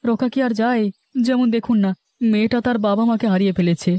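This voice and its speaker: A man's voice: sits high, fairly even intonation, fairly quick, warm tone, no echo, close to an everyday voice. A man playing a humble, earnest village fisherman in a cartoon story, speaking deferentially. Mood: earnest, sorrowful. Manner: deferential, explanatory. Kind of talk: animated cartoon story acting. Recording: music bed under the voice.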